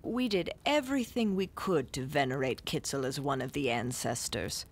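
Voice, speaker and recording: A woman playing a sharp-tongued, defiant old wandering scholar in an audio drama, with a wry, declamatory manner. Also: very deep voice, animated, normal speed, exaggerated voice. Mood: gently consoling.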